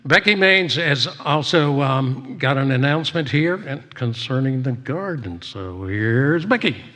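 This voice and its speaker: A man's voice: mid-range voice, expressive, unhurried, bright, forceful tone, slight background noise. A man hosting a church service, giving informal announcements in an upbeat, exclamatory manner. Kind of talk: informal spoken announcements to a congregation.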